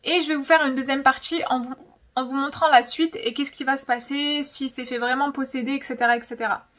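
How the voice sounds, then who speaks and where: A young woman who hosts on YouTube, francophone and of Algerian descent, speaks a little fast in a high, slightly bright voice with fairly even intonation. Her casual storytelling vlog is dramatic and emphatic, full of words repeated for effect.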